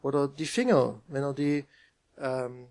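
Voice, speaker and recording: A man's voice: medium pitch, measured pace, a little mellow. A man preaching a sermon to his congregation in a conversational way, often putting questions to his listeners.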